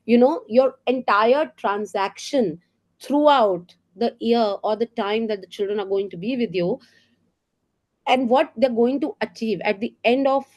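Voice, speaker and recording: A middle-aged woman with an Indian English accent talks teachers through classroom ideas, her voice sitting a little high. She explains earnestly, checks in with rhetorical questions and fills pauses with small ums and uhs. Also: darkish tone. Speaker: teacher trainer. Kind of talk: professional development talk for teachers.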